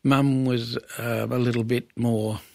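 A man in his seventies from Western Australia with an Aboriginal Australian accent, reminiscing conversationally as an interview guest, pausing and repeating words as he tells his story. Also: medium pitch, flat delivery, vocal fry, mellow, dry recording, clean studio sound. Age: 70s.

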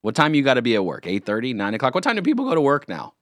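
A man hosting a morning radio show, chatting in a jokey, rambling, animated way in a studio. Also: mid-range voice, very fast, dry recording. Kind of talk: casual morning radio banter. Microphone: studio microphone.

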